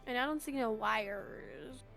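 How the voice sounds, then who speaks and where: A woman's voice: on the high side, takes it slowly, creaky, a bit bright, soft background music. A woman co-hosting a gaming video, chatting casually in slangy, colloquial speech. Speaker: gaming channel co-host. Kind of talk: casual chat over a game playthrough.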